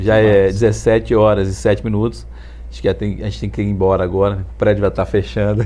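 With vocal fry and very wide pitch swings, a man talks very fast at a fairly low pitch. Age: 30s. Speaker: podcast host. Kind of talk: casual interview chat. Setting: studio.

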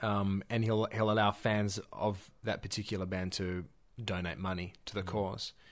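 At a fairly slow pace, a man with an Australian accent speaks with a fairly low pitch. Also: very clean recording, silent background. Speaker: band member. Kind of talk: casual chat.

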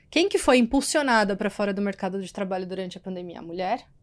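A woman's normal speaking voice at a medium pitch, with ordinary pitch variation and a fairly quick pace, on a very clean recording with a silent background. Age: 30s. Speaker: women's organization founder. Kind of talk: interview conversation.

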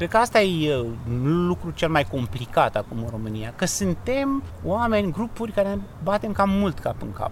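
A man's fairly high voice at a moderate pace, with very wide pitch swings and noticeable background noise. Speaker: writer and screenwriter. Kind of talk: interview conversation. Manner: halting.

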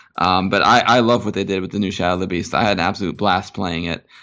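At a very fast pace, a man speaks with an American accent at a fairly low pitch. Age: 40s. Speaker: retro computer YouTuber. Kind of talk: casual interview. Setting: remote call.

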